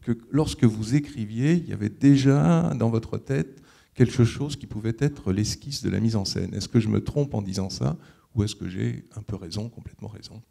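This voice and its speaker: A man with a low, gravelly voice asking interview questions in a measured and courteous way. His tone is dark and mellow, and he sometimes restarts his sentences as he reads out quotations.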